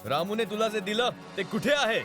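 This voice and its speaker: High-pitched, hot-tempered cartoon army commander. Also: male voice, expressive, moderate pace. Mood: accusing, threatening. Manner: barking orders and threats. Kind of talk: animated children's moral story voice acting. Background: music.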